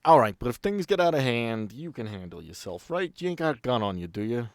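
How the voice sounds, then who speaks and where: A man voicing a gruff, wary sanatorium guard who talks in a folksy, grudging way in a tabletop game. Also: mid-range voice, sing-song, a little fast, no room sound, studio quality. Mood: reluctant. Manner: folksy, colloquial, grumbling.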